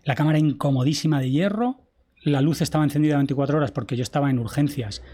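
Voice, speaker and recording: A man recounts events as a podcast guest. His voice sits a little high yet warm and mellow. He acts out dialogue vividly and swears casually. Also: fast talker. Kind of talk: casual storytelling interview.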